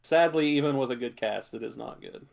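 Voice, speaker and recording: A man chatting casually as a podcast co-host, in a halting way full of filler words and hedges. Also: mid-range voice, gravelly, darkish tone. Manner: halting, hedging delivery with many filler words. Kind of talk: casual chat about video game movies.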